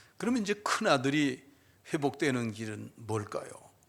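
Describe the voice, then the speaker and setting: A man is speaking here. The audio is very clean, and the background is silent. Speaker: pastor. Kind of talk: sermon. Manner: conversational, with fillers.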